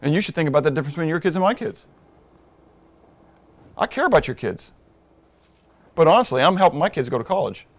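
A middle-aged man preaching a sermon in a conversational way, asking the congregation questions and moving from hushed asides to emphatic points. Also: on the high side, very animated, fast, pauses often. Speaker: pastor.

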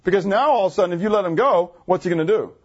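A man preaching a sermon to his congregation, animated, asking the room questions, with jumps in pitch when he gets excited. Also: racing, breathy edge, muffled recording. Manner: jumpy pitch, bursts high when excited. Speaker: pastor. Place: church assembly room.

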